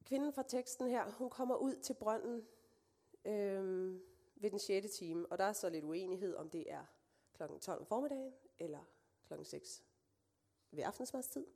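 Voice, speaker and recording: Gravelly-voiced woman giving a sermon. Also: medium pitch, animated. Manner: conversational and warm-hearted, with fillers and asides. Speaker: preacher. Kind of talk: sermon with scripture reading.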